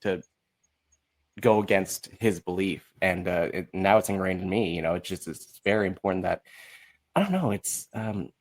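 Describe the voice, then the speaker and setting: A man's voice: low voice, lively intonation, moderate pace. A man speaking as a podcast guest, telling anecdotes in a candid, casual way with a blunt, self-mocking manner and acting out quoted remarks.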